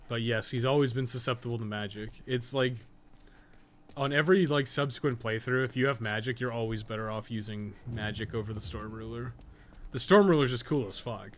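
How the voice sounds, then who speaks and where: A man's voice: medium pitch, brisk. A man chatting casually on a live game stream, rambling, thinking aloud and swearing freely.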